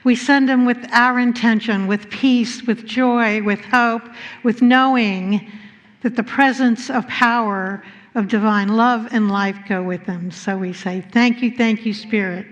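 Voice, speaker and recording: Reverberant high-voiced woman leading church. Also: steady tone, a little slow. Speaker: church service leader. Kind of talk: church service closing, blessing and announcements. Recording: dull, long hall reverb.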